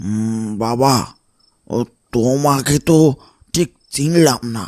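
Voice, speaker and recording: A man performs a cartoonish character voice at a medium pitch and a very slow pace. The recording is very clean with a silent background, dry and close with no echo. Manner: gentle, paternal.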